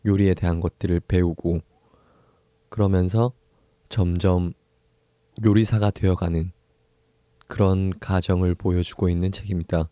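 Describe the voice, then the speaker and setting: A young man hosting his own book podcast, talking in an easygoing, soft-spoken way with pauses and small laughs. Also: sits low, steady tone, clean tone, no room sound. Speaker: podcast host. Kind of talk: casual solo book podcast talk.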